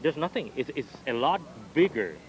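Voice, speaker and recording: A man's voice: medium pitch, very animated, moderate pace, poor audio. A man from Puerto Rico with a Spanish accent, answering politely as a competitor being interviewed outdoors. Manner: polite, deferential. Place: outdoors at a flying field. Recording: faint outdoor field noise.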